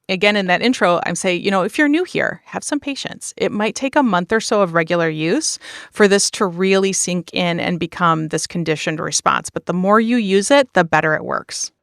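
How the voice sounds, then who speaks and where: A woman's voice: medium pitch, fairly bright tone, smooth, no room sound, studio quality. A woman podcast creator answering interview questions in a conversational, plain-spoken, explanatory way. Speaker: podcast creator being interviewed, meditation teacher.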